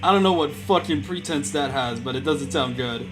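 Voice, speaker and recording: A man's voice: fairly high pitch, normal speed. Goofy young man joking over guitar music. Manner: joking, goofy, drifts off on silly tangents. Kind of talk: casual streaming chat. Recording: guitar music clearly behind the voice.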